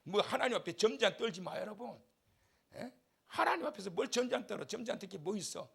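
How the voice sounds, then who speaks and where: Male pastor at a revival service, lively animated pitch, shouts then drops to soft asides, leads the congregation in call-and-response. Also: a little fast, creaky, slightly rough. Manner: impassioned, shifts between shouting and soft asides. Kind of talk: revival sermon. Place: church sanctuary.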